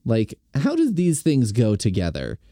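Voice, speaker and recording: A man's voice: medium pitch, huge pitch swings, a little slow, mellow, no echo, studio quality. Rambling sarcastic male podcast host. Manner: profane, rambling, mocking. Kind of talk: sarcastic commentary.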